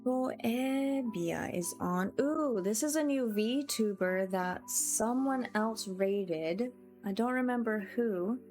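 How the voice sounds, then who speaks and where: A woman hosting a livestream, chatting casually to her viewers in a gentle, appreciative way. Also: fairly high pitch, takes it slowly, faint music behind. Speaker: livestreamer host.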